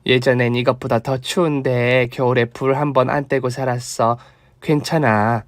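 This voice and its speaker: A soft, fond older mother-in-law who frets over every won spent, voiced by a man. She speaks gently at a middling pitch, in a dry, close recording. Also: steady tone, normal speed, no echo, natural voice. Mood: thrifty.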